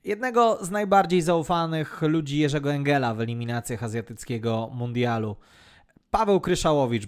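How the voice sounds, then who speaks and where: A man hosts a podcast in a mid-range voice. He delivers prepared narration to introduce the programme and its subject. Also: medium pitch. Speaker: podcast host.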